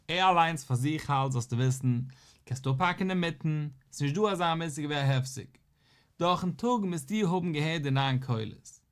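A man's voice: a little high, moderate pace, clear, resonant tone. A man, a rabbi, giving a daily Talmud lesson, posing questions and answering them in a study singsong.

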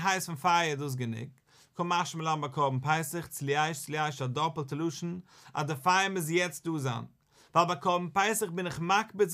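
A man, a rabbi, teaching a Talmud lesson in an animated, questioning sing-song that rises and falls. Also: on the high side.

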